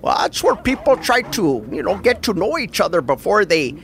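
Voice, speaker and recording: A man doing a gravelly, high-pitched old cholo storyteller. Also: big pitch swings, moderate pace, fairly bright tone, heavily acted. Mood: chatty. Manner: drawling, rambling, trails off mid-thought. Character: older laid-back male cholo homeowner, rambling storyteller. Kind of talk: comedy sketch acting.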